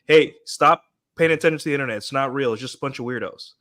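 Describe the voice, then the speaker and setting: Male podcaster, bright forceful tone, argues his point in casual chat. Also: mid-range voice, fast. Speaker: podcast co-host.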